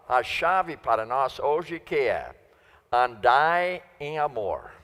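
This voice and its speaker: A man's voice: a little high, fairly bright tone. A man preaching a sermon in Portuguese, which is not his first language, stressing and repeating key phrases. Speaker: guest preacher. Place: church sanctuary. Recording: long church reverb.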